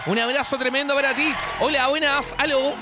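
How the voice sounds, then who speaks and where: High-voiced Chilean radio host shouting greetings. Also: male voice, fairly even intonation, brisk, a crowd in the background. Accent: Chilean Spanish. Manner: loud, laughing, shouts greetings. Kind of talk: lively live radio show reading listener messages. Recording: music playing behind.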